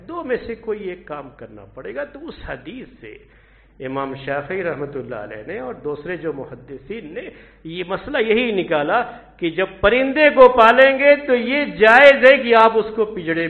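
A man giving a Friday sermon in a mosque, earnest and repetitive, now hushed, now loud. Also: sits high. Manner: earnest, repeating points and swinging from soft to loud. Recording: tinny phone-like audio.

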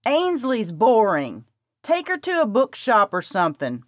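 A high, loud, bubbly younger sister, as a woman narrator puts her on, bossing someone around in eager bursts. The voice is raised well above the narrator's own, and the recording sounds dry and a little dull. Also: no echo, heavily acted. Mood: chirpy. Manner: excitable, bossy, talks fast in bursts.

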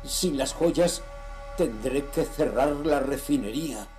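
An actor playing a greedy, ruthless nineteenth-century sea trader, reading his journal in a measured, solemn and theatrical way for a horror audio drama. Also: mid-range voice, darkish tone, faint music behind, lightly acted. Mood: desolate, disturbed.

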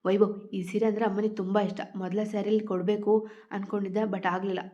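A woman's voice: medium pitch, level tone, fast talker, dark tone, lo-fi sound, lightly acted. A woman voicing a shy, modest young bride.

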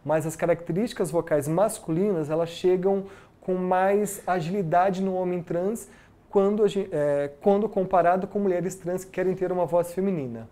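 A man's voice: sits high, moderate pace, mellow. A man, a speech therapist, explaining his work in an interview and often ending with "né?". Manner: explanatory, frequent "né?" tags. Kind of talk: interview and exercise instruction.

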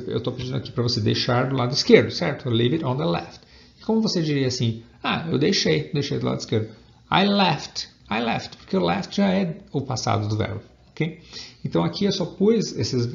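A man teaching an English lesson, explaining slowly, repeating example phrases and asking "okay?" again and again. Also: a little high, creaky, darkish tone. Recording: dull lo-fi recording.

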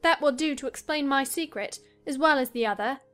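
Lady doing a willful young gentlewoman, high voice, passionate and troubled, audiobook drama with music behind. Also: brisk. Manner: earnest, dramatic. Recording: music under the voice.

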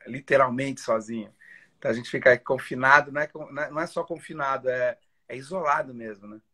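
A man joining a casual live-stream chat from home over a video call, joking about himself and speaking warmly of his family with hesitant restarts. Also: medium pitch, quick pace, husky. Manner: chatty, self-mocking, hesitant restarts when emotional. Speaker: guest. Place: home in isolation. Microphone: phone or computer on a video call.

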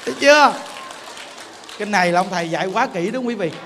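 High-voiced monk preaching in an echoey hall. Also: male voice, expressive, fast, a crowd in the background. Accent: Southern Vietnamese. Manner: colloquial and joking, peppers talk with questions to the audience. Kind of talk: sermon. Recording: long hall reverb, faint background noise.

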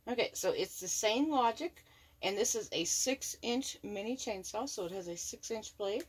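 A woman's voice: mid-range voice, expressive, moderate pace, husky. A woman giving a chatty, upbeat unboxing review of a tool in her home workshop, talking from behind the camera. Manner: chatty, upbeat, repeats praise. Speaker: product reviewer.

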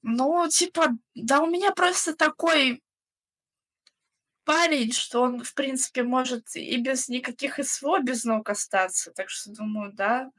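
Young woman, slightly high voice, casual and unsure, lots of fillers, from the Russian Far East, video call audio. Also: measured pace, a bit bright. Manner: hesitant, filler-heavy, unsure. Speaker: chat roulette guest. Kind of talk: casual chat.

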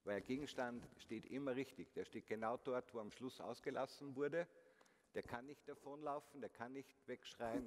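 A man giving a motivational conference talk, speaking to the audience directly and using frequent rhetorical questions. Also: mid-range voice. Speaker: keynote speaker. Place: large concert hall stage. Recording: long hall reverb, faint noise.

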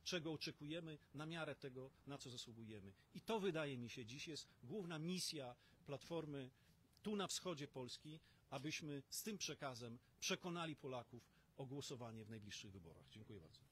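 A man's voice: medium pitch, lively intonation, a bit bright, a little hiss or hum. A middle-aged man giving an emphatic political statement at an outdoor press conference, speaking into a cluster of stand mics. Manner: emphatic, rallying, with pauses and fillers. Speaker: opposition politician. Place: outdoor terrace in front of a banner.

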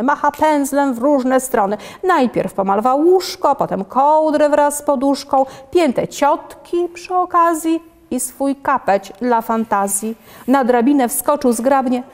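A woman reading rhymed children's poems aloud in a lively, expressive storybook manner. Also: sits high, big-room sound. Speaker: children's book reader.

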